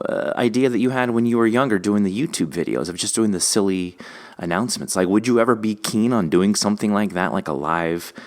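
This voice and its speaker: A man hosting a podcast interview, chatting informally and enthusiastically in a rambling, conversational way. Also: on the low side. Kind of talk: casual interview chat.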